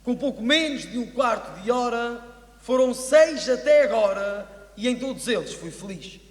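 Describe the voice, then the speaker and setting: A man's voice: very high-pitched, animated, moderate pace. A man performs a rhymed comic stage monologue in a theatrical, declamatory way. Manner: theatrical, declamatory verse delivery. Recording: echoey hall with long reverb.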